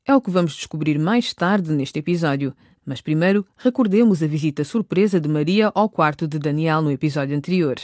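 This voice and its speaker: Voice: mid-range voice, animated, brisk, darkish tone, no echo, clean studio sound. A narrator presenting a scripted radio drama and recapping the story.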